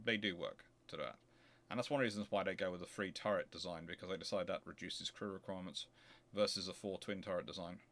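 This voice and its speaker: Answering questions from his audience, this host speaks quickly in a low, slightly bright voice. His improvised explanations are emphatic and wander into digressions, and he keeps correcting himself along the way.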